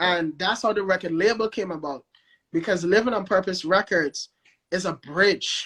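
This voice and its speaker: Someone speaks at a moderate pace in a strong Guyanese accent. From Guyana. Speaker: gospel recording artist and record label owner. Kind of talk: interview. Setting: video call. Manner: animated.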